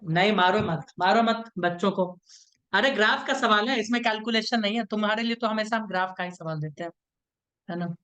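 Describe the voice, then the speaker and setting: A man with a high-pitched, pushed and bright voice teaches an online class at a brisk pace. He walks through things step by step, teasing playfully and repeatedly asking "right?" to make sure students keep up.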